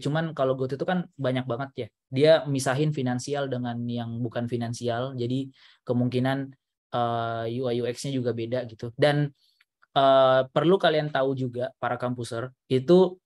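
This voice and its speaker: A man's voice: medium pitch, a little mellow, no echo. A man speaking as a webinar speaker, answering questions casually in a rambling way full of fillers and restarts over a video call.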